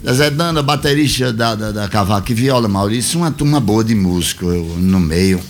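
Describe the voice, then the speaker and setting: A man's voice: lowish voice, moderate pace. A man, a guest singer chatting casually and repeating himself as he goes. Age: 60s. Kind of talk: casual chat.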